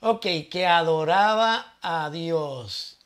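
Bright-voiced man teaching the Bible. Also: on the high side, expressive, drawn-out words. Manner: conversational, rhetorical questions, thinking aloud. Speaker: Bible teacher and channel host. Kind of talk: casual Bible teaching to camera.

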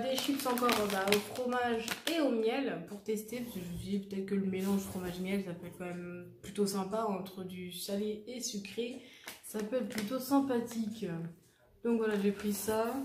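A woman's voice: mid-range voice, fairly even intonation, normal speed. A young woman chatting casually through a shopping haul, rambling and correcting herself with many fillers. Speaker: vlogger showing a shopping haul. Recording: echoey room with faint noise.

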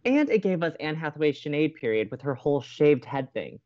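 A teasing, very animated college co-host. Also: male voice, on the high side, brisk, muffled recording. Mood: playful, teasing. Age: young adult. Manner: teasing, mischievous. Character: playful, teasing young male college radio co-host. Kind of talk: audio drama acting, light banter.

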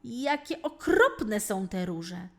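A woman's voice: medium pitch, sing-song, slow, fairly bright tone, voice pushed down, exaggerated voice. A woman voicing an outspoken, impulsive young boy in a fairy tale, with emphatic delivery. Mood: scornful. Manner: exclaiming, emphatic.

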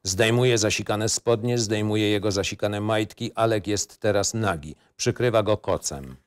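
A man's voice: on the low side, normal speed, clean tone, dry recording. A man narrating a screenplay in short, matter-of-fact phrases. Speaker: narrator reading stage directions. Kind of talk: scripted narration, screenplay reading.

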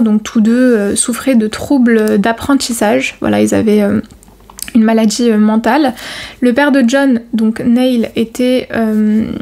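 A woman's voice: a little high, darkish tone. Chatty young-sounding woman. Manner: chatty and informal, many fillers and slang. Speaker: YouTuber telling a true crime story. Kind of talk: casual true crime storytelling.

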